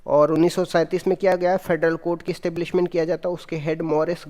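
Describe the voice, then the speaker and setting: A man's voice: fairly high pitch, flat delivery, fast, darkish tone, in a large hall. A man teaching an exam-prep lesson, asking quiz questions and answering them himself with brief explanations.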